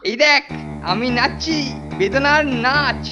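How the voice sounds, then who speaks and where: A woman's voice: sits high, slow pace, muffled recording, loud music behind the voice. A woman voicing a boastful, bullying older schoolboy in a comic cartoon, with a taunting, swaggering delivery. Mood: gloating. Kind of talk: exaggerated cartoon acting.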